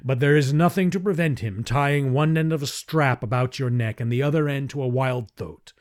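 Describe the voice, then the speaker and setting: A man voicing a stern, just green alien warrior chief, speaking gravely and at a measured pace. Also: medium pitch, a little mellow, close to an everyday voice. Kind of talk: audiobook character reading.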